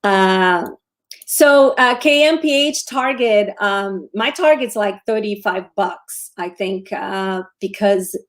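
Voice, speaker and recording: A woman with a Brazilian accent talks stocks on a casual live show. She speaks at a middling pitch, chatty and loose, often restarting her sentences as she answers viewers' questions. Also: takes it slowly. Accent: Brazilian Portuguese. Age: 40s. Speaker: show host, trader. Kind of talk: livestream stock commentary.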